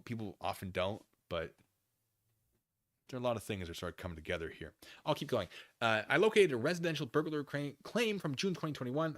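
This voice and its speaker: A man hosting a live stream, reading documents aloud and commenting casually with conversational, animated asides. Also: on the low side. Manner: conversational, animated asides, acts out imagined dialogue.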